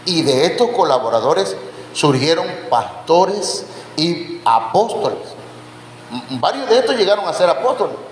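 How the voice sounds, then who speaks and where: A man with a fairly high voice and wide pitch swings speaks a little slowly as he preaches a Bible teaching sermon in a church hall. He quizzes the congregation with questions and calls them brothers. The hall is echoey, with faint background noise.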